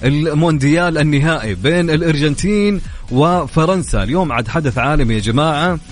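A young man with a Saudi accent hosting a lively radio show, chatty and upbeat, answering his own questions. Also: a little high, fast talker. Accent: Saudi Arabic. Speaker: radio host. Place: radio studio. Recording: studio radio with faint music.

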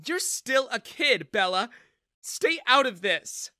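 A storyteller voicing an emotional, clingy middle-aged mother, in a high put-on voice. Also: lively intonation, moderate pace, sharp tone, dry recording, studio quality. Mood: pleading.

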